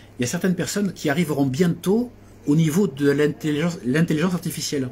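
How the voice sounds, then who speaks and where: This man talks at a very fast pace in a Roussillon accent, his fairly high voice dark and mellow in tone with ordinary pitch variation. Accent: local southern French (Roussillon). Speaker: author presenting his book about free radio. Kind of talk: casual interview chat.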